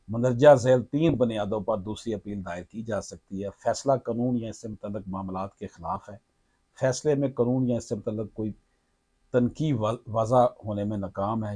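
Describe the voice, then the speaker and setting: A man with a Pakistani Urdu accent, a lawyer, explains a court ruling in a formal, measured way and keeps addressing his viewers. His voice is low and husky. The sound is dry and close, with no room in it. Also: dark tone, no echo.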